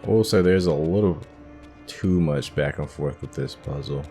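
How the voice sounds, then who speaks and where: Very deep-voiced man giving game commentary. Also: normal speed, mellow, faint music behind. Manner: thinking aloud. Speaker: gamer giving a playthrough guide. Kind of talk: casual game playthrough commentary.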